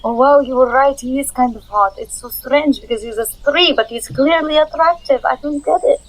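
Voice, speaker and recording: A woman playing a distraught, confused young female adventurer in a tabletop game, halting and repeating herself as she talks. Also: high-pitched, pitched below the performer's own voice, rough recording. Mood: bewildered musing.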